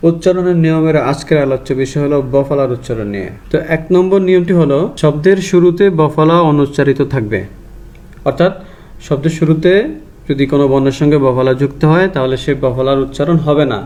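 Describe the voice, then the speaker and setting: A man with a Bangladeshi Bengali accent teaching a grammar lesson to students, going through each rule methodically and repeating it slowly. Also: on the high side, a little mellow.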